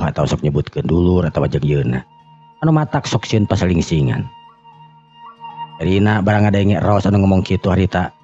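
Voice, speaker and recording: Male Sundanese storyteller, extremely low and husky, conversational host delivery, muffled with music underneath. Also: mellow. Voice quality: gravelly, husky. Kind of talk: oral storytelling of a serial folk drama.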